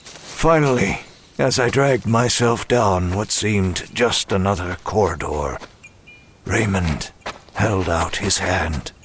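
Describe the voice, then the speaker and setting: An actor playing a weary, tormented man who narrates his ordeal in a horror audio drama, grave and deliberate with halting pauses. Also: sits low, slight background noise. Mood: grim, weary.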